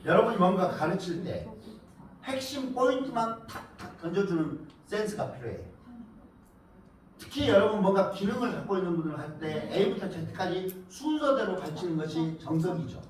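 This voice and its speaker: A high-pitched man teaches a live audience, and his pitch leaps all over the place. He teases his listeners and chants words in a sing-song rhythm. The sound is boomy and roomy, picked up from some distance in a lecture hall. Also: lively intonation, normal speed. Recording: echoey hall, mic at a distance.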